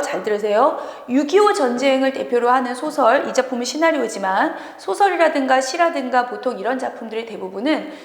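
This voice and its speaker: A woman tutor lecturing students on a literary work in a chatty, animated way, laughing often between points, in what sounds like a classroom. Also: sits high. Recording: echoey room with long reverb.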